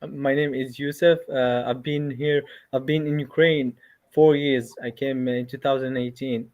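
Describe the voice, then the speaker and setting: Over dull, lo-fi audio, a man with an Algerian accent talks conversationally as a guest. His voice is smooth and sits at a medium pitch. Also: steady tone, unhurried. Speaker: panel guest. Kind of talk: conversational self-introduction.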